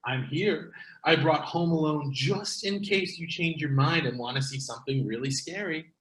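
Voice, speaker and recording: Man playing bright, goofy shop boss, echoey. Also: a little high, normal speed, natural voice. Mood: playful. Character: goofy, pun-loving, sincere male repair-shop boss. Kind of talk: comedy script table read. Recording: echoey room sound.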